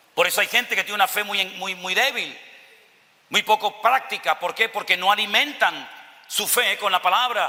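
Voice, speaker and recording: Over noticeable background noise, a man speaks with a high pitch and fairly even intonation. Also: moderate pace. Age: 60s. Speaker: pastor. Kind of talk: sermon.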